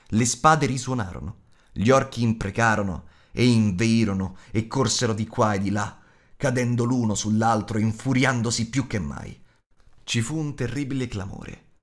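A man narrating an audiobook in an expressive, measured storytelling manner. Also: lowish voice.

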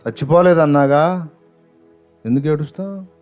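Preacher doing a tall old stranger, quick firm questions, soft music behind. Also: male voice, fairly high pitch, close to an everyday voice. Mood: commanding. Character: tall old male stranger, calm and commanding.

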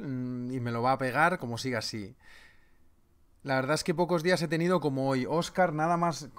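A man's voice: medium pitch, a bit bright, clean tone. A man hosting a live trading webinar, reading viewer names and joking with the chat. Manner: joking, banters with chat, reads names aloud. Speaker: trading seminar host.

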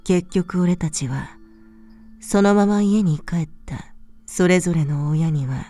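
A woman reading a scripted horror story as narrator, in a calm, measured, soft manner. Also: lowish voice, no room sound.

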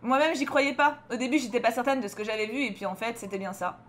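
A young adult woman with a French accent, chatting and joking loudly as she plays and reads a story game aloud. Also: fairly high pitch, fast talker, faint music behind. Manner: chatty, expressive, joking, swings between loud outbursts and mutters. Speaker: streamer playing a story game. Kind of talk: casual gameplay commentary, reading game dialogue aloud.

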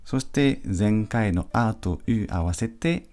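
Slow, deep-voiced male French teacher. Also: lively intonation, darkish tone. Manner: patient, repeats sounds slowly for practice. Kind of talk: pronunciation lesson.

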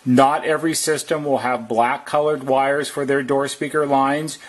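A man's voice: medium pitch, slightly rough. A man narrating a step-by-step how-to as a technician, explaining plainly and methodically. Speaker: repair technician giving instructions.

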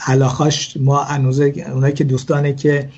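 A man's voice: mid-range voice, monotone, a little mellow, slightly rough, lo-fi sound. A man explaining religious wedding customs in a talk show, hesitant, with many fillers and restarts. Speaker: guest speaker on Jewish customs.

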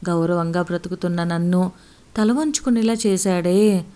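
A woman voicing a stern, proud middle-aged village father who scolds and shouts in fury. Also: on the low side, moderate pace, lightly acted. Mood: furious.

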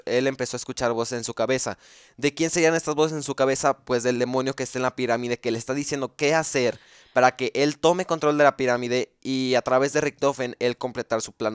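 A man's voice: medium pitch, clean tone, dry recording, clean studio sound. Man thinking aloud about game lore. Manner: thinks aloud, with frequent fillers and restarts. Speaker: gaming YouTuber explaining game lore. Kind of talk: casual explanatory commentary.

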